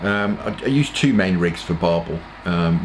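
Noticeable background noise behind a male voice with a very deep, low pitch. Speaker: angler vlogger. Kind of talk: casual tutorial intro. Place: home room.

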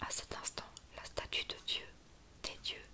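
A woman is whispering. Her pace is fairly slow. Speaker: ASMR video creator. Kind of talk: whispered narration of a children's storybook. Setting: studio microphone, binaural recording. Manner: whispered, soft, slow. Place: home room. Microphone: handheld.

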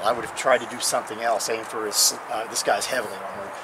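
Here a man talks at a very fast pace. Background noise is noticeable. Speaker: medieval weapons reenactor. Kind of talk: commentary on a test. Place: garden. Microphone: phone near.

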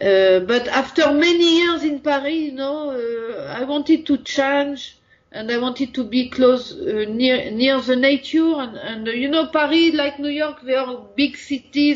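In a French accent, a woman speaks at a fairly slow pace with a high pitch and ordinary pitch variation. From France. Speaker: singer. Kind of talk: interview. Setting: remote call. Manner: halting.

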